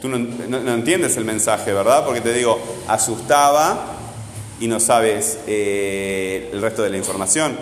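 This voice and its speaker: A male teacher gives a patient grammar lesson, speaking slowly and stretching out syllables. He keeps checking with "¿verdad?", and his voice carries a long reverb, as if in a bare room. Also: fairly low pitch, slight background noise. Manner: asks frequent guiding questions with "¿verdad?".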